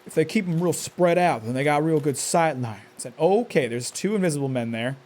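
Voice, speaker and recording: His voice runs on the high side, a little mellow and a little quick. He's streaming his gameplay live, tense and talking to himself, swearing at enemies in jumpy outbursts.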